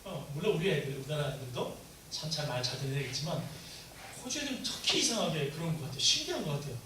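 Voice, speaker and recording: A man's voice: on the high side, big pitch swings, fast, noisy background. A man preaching a sermon to a congregation, asking them questions and acting out prayers in a raised voice. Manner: conversational preaching with call-and-response questions; acts out quoted prayers in raised voice. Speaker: pastor. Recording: echoey room from a distance with faint ambience.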